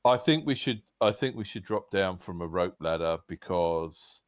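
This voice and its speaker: A man's voice: sits low, animated, moderate pace, no room sound, clean studio sound. A man playing in a tabletop game, chatting casually and eagerly. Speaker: player.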